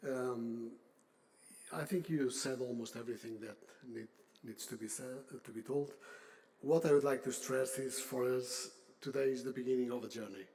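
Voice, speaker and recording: An older man, a chief executive, giving a semi-formal unscripted conference speech with halting, deliberate phrasing. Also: medium pitch, steady tone, a little mellow. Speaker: industry association CEO, panel speaker.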